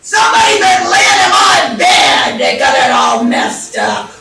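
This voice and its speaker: A woman voicing an angry papa bear in a children's story, shouting in outraged, growling bursts. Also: high voice, expressive, measured pace, heavy reverb, recorded from a distance, a loud crowd, heavy background noise, pitched above the performer's own voice. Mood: furious, outraged. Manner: roaring, growling, stretched-out shouts. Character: angry, booming papa bear, gruff household patriarch.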